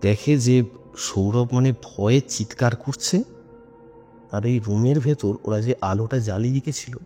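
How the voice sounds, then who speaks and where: A man's voice: medium pitch, unhurried, warm tone. A man telling a story in an informal, conversational and suspenseful way, as on a ghost story podcast. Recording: music under the voice. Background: background music.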